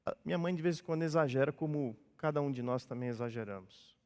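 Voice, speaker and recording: A man's voice: mid-range voice, fast talker, darkish tone. A man from Brazil, a pastor, preaching a sermon in a conversational way and acting out little dialogues. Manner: conversational preaching, acts out dialogues in changed voices. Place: church hall. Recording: long church reverb.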